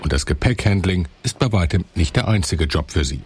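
A man reading scripted voice-over narration for a documentary report in a calm, measured way. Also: low voice.

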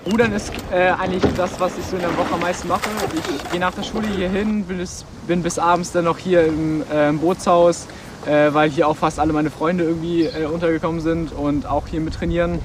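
A man's voice: fairly high pitch, fairly even intonation, fairly quick, noisy background. A young man in his teens talking casually and hesitantly in an interview.

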